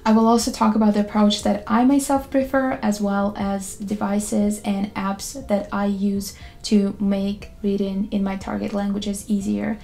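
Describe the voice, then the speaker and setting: A young woman whose first language is not English speaks straight to the camera from her bedroom, explaining things in a calm and candid way. Her voice has a gravelly, fry-tinged edge and a dark, mellow timbre. The delivery sounds like a prepared talk. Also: mid-range voice. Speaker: language learning YouTuber. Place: bedroom with photo-covered wall.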